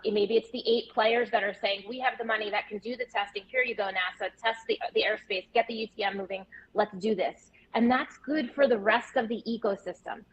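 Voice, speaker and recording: A woman guest on a live panel, speaking emphatically and repeating her key points. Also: on the high side. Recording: lo-fi remote call with faint noise.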